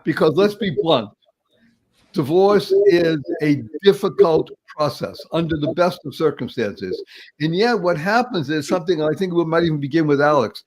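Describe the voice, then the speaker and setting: A man's voice: fairly high pitch, animated, normal speed. A man hosting an online talk show in a showy, upbeat style, stringing together alliterative praise.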